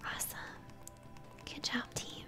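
A young woman whispering gently as she hosts an ASMR let's-play, commenting on a game. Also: a little slow, music in the background. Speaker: host, gamer. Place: small room at home, indoors.

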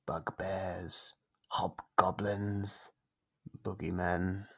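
An ancient monster acted out by a man murmurs low and slow in an ASMR horror roleplay. The voice is gravelly and breathy, often slipping into a whisper as it toys with its prey, playful and menacing. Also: level tone, bright, forceful tone, exaggerated voice. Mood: gloating menace. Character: ancient monster under the bed, sinister, playful, taunting.

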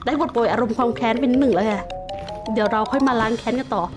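A woman's voice: a little high, rapid-fire, over music. A Thai woman playing Minecraft and commenting as she goes, mixing playful mock-villain taunts with polite explanations of the game. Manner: polite sentence endings, explains game facts. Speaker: gaming YouTuber.

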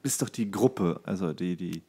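A man chatting casually as a podcast co-host, telling things in a jokey, animated way. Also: deep voice, normal speed, husky. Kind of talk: casual comedic chat.

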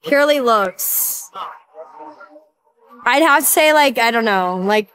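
A woman's voice: fairly high pitch, lively intonation, slow, a bit bright, clean tone, rough recording. A young woman on a street interview at night, chatting in a bubbly, giggly way and filling her speech with "like". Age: young adult. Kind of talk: casual street chat. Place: busy city sidewalk outdoors at night. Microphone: held interview mic.

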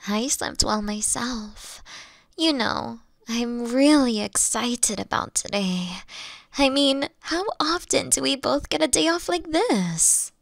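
Playful kitsune witch girlfriend, played by a woman: affectionate, teasing, high creaky voice, very close dry roleplay audio. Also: expressive, takes it slowly, no room sound, heavily acted. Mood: sweet, affectionate.

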